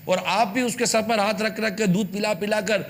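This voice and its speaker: High-voiced preacher, emphatic and questioning. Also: male voice, steady tone. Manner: emphatic, rhetorical questions, repetition. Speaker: religious preacher on TV channel. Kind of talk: television sermon addressing parents.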